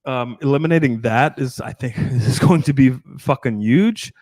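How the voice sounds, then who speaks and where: A man's voice: mid-range voice, normal speed, darkish tone, no room sound, studio quality. Rambling, profane man in his thirties. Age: 30s. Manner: rambling, profane, restarts often. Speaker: dating coach. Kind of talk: casual podcast chat.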